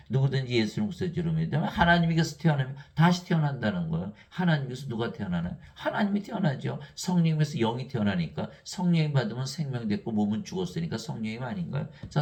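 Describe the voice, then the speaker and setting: An older man giving a Bible teaching sermon. He reads verses in an even recital tone and argues with exasperated rhetorical questions. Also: medium pitch. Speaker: lay preacher.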